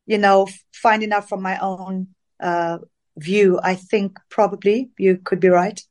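A woman's voice: medium pitch, fairly even intonation, unhurried, a little mellow. A woman singer from Zambia answering interview questions in a chatty, rambling way with many fillers over a remote call. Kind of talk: casual interview.

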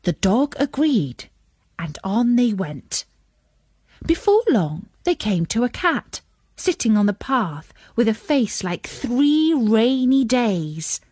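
A woman reading a children's story as narrator, expressive and measured. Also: fairly high pitch, breathy edge, no echo, clean studio sound.

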